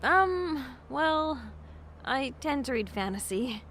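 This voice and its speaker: A young woman played by an actress with a fairly high voice. She is friendly and easygoing, a bookish type. Her delivery is natural and conversational, as in an audio drama. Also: lively intonation, takes it slowly, a bit bright, slight background noise, heavily acted. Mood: friendly, polite. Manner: casual, conversational.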